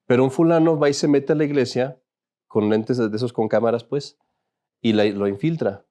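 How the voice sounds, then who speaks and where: A man's voice: mid-range voice, a little fast, dark tone. A man, a Catholic priest, teaching an informal class in a conversational, joking way and often asking his listeners questions.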